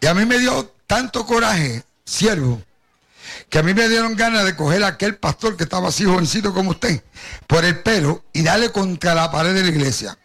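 Older male preacher, Caribbean Spanish accent, high and very crackly voice, tells his testimony straight to the congregation. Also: lively intonation, normal speed, fairly bright tone. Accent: Caribbean Spanish, Puerto Rican with Cuban influence. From Puerto Rico. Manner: storytelling, addresses the congregation directly. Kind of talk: sermon with personal testimony.

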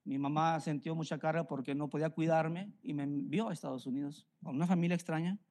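A man's voice: fairly high pitch, fairly even intonation, quick pace, darkish tone. A middle-aged man from Mexico with a Mexican Spanish accent, preaching a sermon earnestly and repeating phrases for emphasis. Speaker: pastor.

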